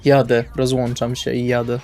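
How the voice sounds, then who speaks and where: A man's voice: medium pitch, completely flat delivery, normal speed, darkish tone, faint music behind, pitched below the performer's own voice, lightly acted. A man playing an agitated, suspicious male vampire in a roleplay session, questioning others with exasperation. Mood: suspicious, tense. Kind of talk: improvised tabletop roleplay acting.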